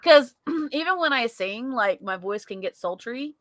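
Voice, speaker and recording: A bright, animated woman's voice with a fairly high pitch, heard dry and close. She co-hosts a casual gaming podcast, giggling and teasing as she chats. Her talk bounces around with lots of laughter. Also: a little slow, dry recording. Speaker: podcast co-host.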